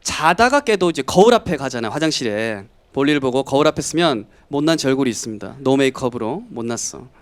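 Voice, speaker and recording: A man in his thirties from South Korea giving a lively lecture to students, often acting out quoted voices. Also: mid-range voice, fast, hardly any pauses. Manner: animated, acts out students and family in quoted voices. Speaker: English lecturer.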